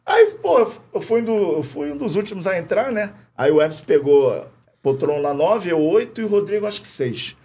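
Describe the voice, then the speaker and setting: A middle-aged man from Rio de Janeiro with a Carioca accent, telling animated anecdotes full of slang, swearing and laughter as a podcast guest. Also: high voice, moderate pace, slightly rough. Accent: Carioca Portuguese. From Rio de Janeiro, Brazil. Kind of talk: casual chat, storytelling. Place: podcast studio.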